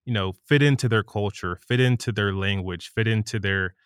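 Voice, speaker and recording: Smooth low-voiced male co-host. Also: moderate pace, no room sound, studio quality. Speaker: podcast co-host. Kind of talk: conversational interview.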